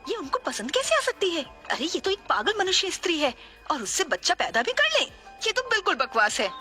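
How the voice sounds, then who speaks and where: A woman voicing a goddess's servant who flatters her mistress and scorns others. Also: extremely high pitch, brisk, faint music behind, full character voice. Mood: scornful. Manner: flattering, scornful toward outsiders. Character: fawning female servant of a goddess.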